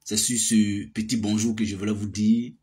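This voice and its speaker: A man's voice: on the low side, little pitch movement, normal speed, dark tone. A man, giving a casual political monologue with many fillers and emphatic outbursts. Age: 30s. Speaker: political commentator.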